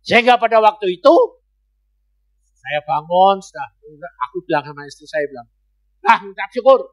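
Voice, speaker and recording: A middle-aged man, an evangelist telling a personal testimony in a sermon, chatty and given to sudden loud bursts. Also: sits high, expressive, moderate pace, lo-fi sound. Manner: conversational storytelling with sudden jumps in loudness. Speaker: evangelist preacher.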